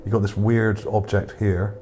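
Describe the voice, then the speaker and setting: A man's voice: lowish voice, little pitch movement, unhurried, dark tone. A man giving casual, unscripted commentary on images for his video, musing and hesitant as he goes. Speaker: video narrator presenting own image finds. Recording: background noise under the voice.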